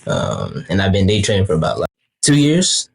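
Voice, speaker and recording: A young Kenyan man, a native Swahili speaker, chats about trading in a laid-back, slangy way as a guest in a casual video-call interview. His low, creaky, slightly rough voice swoops wildly in pitch at a moderate pace.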